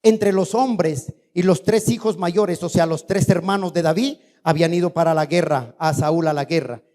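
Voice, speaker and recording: Pastor guy, fiery sermon, keeps throwing questions at the church, high voice. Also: moderate pace, darkish tone. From Colombia. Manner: fiery preaching with rhetorical questions to the congregation.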